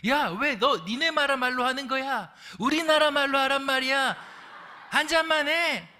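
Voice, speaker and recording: A man voicing a pushy senior male foreign factory worker who loudly insists his junior drink with him. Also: high-pitched, normal speed, slight background noise, pitched above the performer's own voice. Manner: bossy, loud, insisting on drinks.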